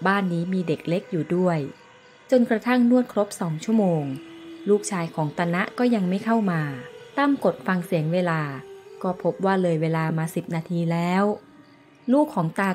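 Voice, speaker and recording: There is music in the background. Against it, a woman talks at a medium pitch. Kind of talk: horror story narration.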